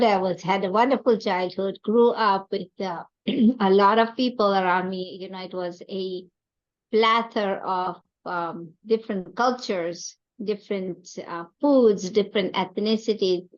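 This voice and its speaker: A woman from Kenya speaking as an interview guest, telling of her life in a halting, reflective way with rhetorical check-ins. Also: mid-range voice, highs cut off. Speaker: podcast guest, entrepreneur and coach. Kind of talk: conversational interview storytelling.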